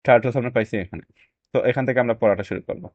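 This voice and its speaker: A man's voice: mid-range voice, racing, no room sound, highs cut off. Man, tutor, casual lesson, mixes in english phrases, dry close sound. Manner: lively teaching voice, mixing English phrases into casual speech. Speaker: IELTS reading tutor. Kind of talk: explaining a lesson.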